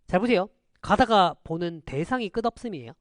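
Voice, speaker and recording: Lively man teaching with constant questions. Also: sits high, no echo, clean studio sound. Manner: lively, quizzing students with quick rhetorical questions; switches between polite and casual speech. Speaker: English teacher. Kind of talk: online lecture.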